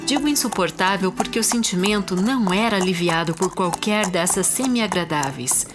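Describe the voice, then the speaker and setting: A woman with a Brazilian accent narrating a classic short story as an audiobook, in a measured, expressive literary reading. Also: mid-range voice. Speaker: podcast host and literary narrator. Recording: music behind the voice.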